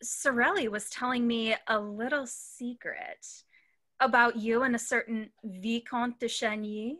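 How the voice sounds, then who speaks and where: Bright, cheeky young woman acted by a woman. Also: a little high, steady tone, a little slow. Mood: teasing. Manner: teasing, wry. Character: cheeky, teasing young female friend backstage. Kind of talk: virtual staged reading. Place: room at home, video call.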